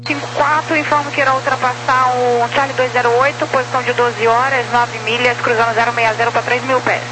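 A woman's voice: on the high side, level tone, a little fast, music in the background. A woman with a Brazilian accent working as an air traffic controller, giving procedural instructions over two-way radio. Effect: aviation two-way radio. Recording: noisy radio channel with hum.

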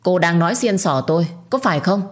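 A woman's voice: fairly low pitch, expressive, brisk, natural voice. A woman voicing a stern older matriarch who scolds and commands her household in an audio story. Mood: furious.

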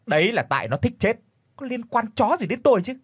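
A greedy village shaman in a horror audio story blusters and stammers, as a man puts him on. His husky voice jumps sharply up and down in pitch. He sounds dry and close. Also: sing-song, fast talker, no room sound. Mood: snapping.

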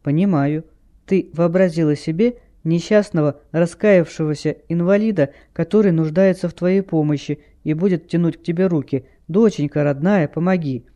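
A man voicing a level-headed teenage girl detective who reasons firmly but gently. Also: on the high side, normal speed, close to an everyday voice. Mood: persuasive.

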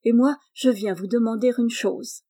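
A bluff, impulsive male farmer, gruff and full of exclamations, as a woman reader voices him. The voice sits fairly high, with a mellow, dark tone and audiobook reading. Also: moderate pace.

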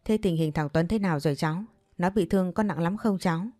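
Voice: mid-range voice, fast, mellow, dry recording, studio quality, natural voice. A woman voicing a worried elderly neighbor who speaks kindly and with concern.

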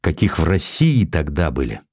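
A man with a very low voice narrates literary prose as a dramatic audiobook. The recording is close and dry, with no room sound around the words. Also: very animated, normal speed, slightly rough, dry recording.

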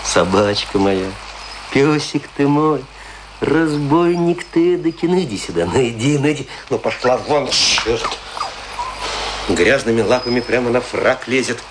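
Radio drama, noisy ambience: male actor as self-pitying provincial thespian, rambling and declamatory, very animated intonation. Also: mid-range voice, measured pace, lightly acted. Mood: teasing, fond. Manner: declamatory, musing aloud, swinging between grand and intimate. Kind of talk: radio play monologue.

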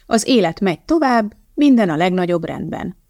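A woman voicing a calm, unflinching woman scientist. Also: mid-range voice, dry recording, studio quality, lightly acted. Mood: calm and firm. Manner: calm, matter-of-fact. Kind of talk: audiobook reading.

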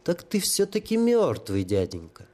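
A man's voice: on the high side, wildly swooping pitch, measured pace, a little mellow, voice pushed up. A man voicing a tearful, simple-minded holy fool who talks about himself like a child. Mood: plaintive. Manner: childlike pleading, stuttering.

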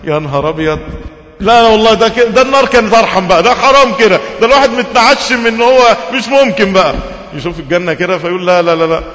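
A man's voice: a little high, steady tone, rapid-fire, few pauses, close to an everyday voice. A preacher acting as a desperate bargaining man. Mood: pleading. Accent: Egyptian Arabic. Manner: pleading, bargaining, wheedling. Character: desperate pleading man begging to escape hellfire. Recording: roomy hall reverb, dull lo-fi sound.

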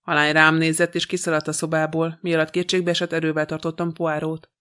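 A man reading a novel aloud in the first person, in an even, measured way. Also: a little high, clean tone. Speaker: audiobook reader.

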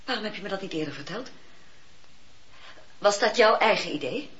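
A woman's voice: medium pitch, expressive, normal speed, fairly bright tone, close to an everyday voice. An actress playing an emotional married woman who pleads urgently in a radio play. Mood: pleading. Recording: dull old radio recording.

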